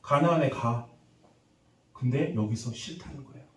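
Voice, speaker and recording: A man preaching a revival sermon as a pastor, lively and acting out the people he quotes while quizzing the congregation. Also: medium pitch, moderate pace. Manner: animated, acts out quoted voices, quizzes congregation. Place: church sanctuary. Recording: echoey church hall, distant mic.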